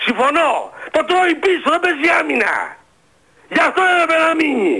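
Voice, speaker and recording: A man playing a loud, know-it-all basketball fan in a radio comedy sketch, ranting and tripping over his words. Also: extremely high pitch, very animated, heavily acted, low-quality recording. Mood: lecturing.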